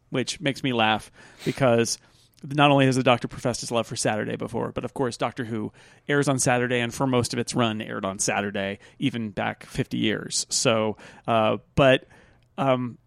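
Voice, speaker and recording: A man talks through a TV episode with a co-host in an easygoing, rambling way, full of fillers and restarts. His voice has a gravelly, creaky edge. The sound is dry and close. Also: medium pitch, no echo. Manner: chatty, quick asides, frequent fillers and restarts. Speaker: podcast co-host. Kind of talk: casual chat reviewing a TV episode.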